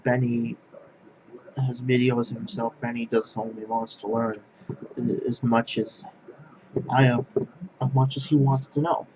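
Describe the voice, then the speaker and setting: A man from northwest Pennsylvania, talking to camera in a halting, rambling monologue that keeps restarting its phrases. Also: mid-range voice, little pitch movement. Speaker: language vlogger. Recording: dull lo-fi sound with clear background noise.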